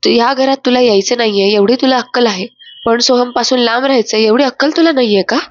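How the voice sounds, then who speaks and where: A woman's voice: fairly high pitch, fairly quick, lightly acted. A woman voicing an angry older woman who scolds a young woman, read plainly in a narrated serial recap. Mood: scolding. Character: angry scolding mother-in-law figure. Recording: dry, slightly dull voice-over.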